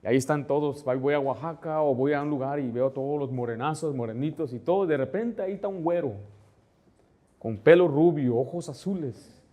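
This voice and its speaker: With a fairly high voice and a fairly quick pace, a male pastor delivers a chatty sermon. He has the congregation follow along in the text and gets louder to emphasize key points.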